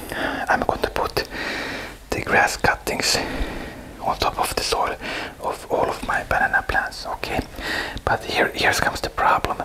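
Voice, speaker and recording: The speaker whispers rather slowly, breaking often for long pauses. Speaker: home banana plant grower, ASMR channel host. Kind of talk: casual talk to camera, gardening update. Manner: whispered, soft-spoken. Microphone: phone near.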